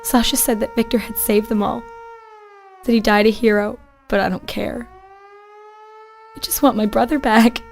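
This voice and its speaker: A young woman playing a grieving Jewish ghetto prisoner, narrating her memories in a measured, sombre, reflective way. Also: a little high, fairly even intonation, vocal fry, noisy background. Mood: grieving, bitter. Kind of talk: scripted dramatic first-person narration. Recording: music behind the voice.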